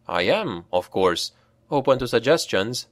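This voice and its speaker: A man's voice: medium pitch, very animated, unhurried, no room sound. A man voicing a weary male mercenary leader with a dry, sardonic manner. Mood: wry.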